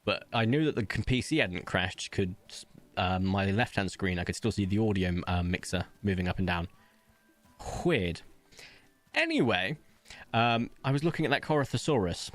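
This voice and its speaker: A man's voice: on the low side, animated, normal speed, soft background music. A man hosting a casual let's-play, chatty and upbeat, rambling and laughing often at his PC desk mic. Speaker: gaming channel host.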